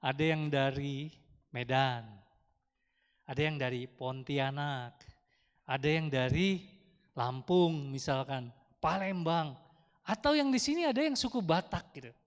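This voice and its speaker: Lively man speaking in an echoing temple hall. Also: on the high side, unhurried, long pauses. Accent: Indonesian. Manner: lively, chatty, asks the audience questions. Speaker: Dharma talk speaker. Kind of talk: casual Dharma talk to a temple congregation. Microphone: handheld microphone through speakers. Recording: long hall reverb from speakers.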